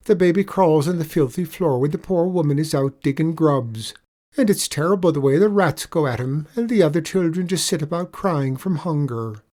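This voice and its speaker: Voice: medium pitch, lively intonation, normal speed, mellow, pitched above the performer's own voice, close to an everyday voice. A storyteller voicing a sly, wheedling male leprechaun with an Irish accent, spinning a pitiful tale in a storybook reading.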